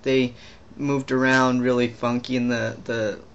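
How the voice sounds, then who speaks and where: A young trans man talking casually in a video diary, rambling and halting with many restarts and fillers. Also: medium pitch, level tone, creaky, highs cut off. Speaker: vlogger.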